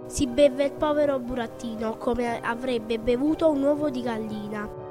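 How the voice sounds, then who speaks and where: A woman narrating a storybook in a lively, expressive reading. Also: a little high. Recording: background music under the reading.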